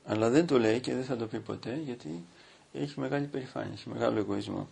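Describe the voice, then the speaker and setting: Gravelly, husky priest preaching. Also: male voice, mid-range voice, dark tone. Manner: reads aloud from a book, breaking off to comment. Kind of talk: sermon.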